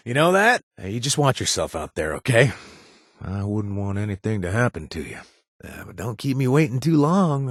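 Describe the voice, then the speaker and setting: Game companion, playful and flirtatious, husky tone, dry studio sound. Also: male voice, mid-range voice, a bit bright, dry recording. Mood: teasing. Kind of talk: video game voice lines.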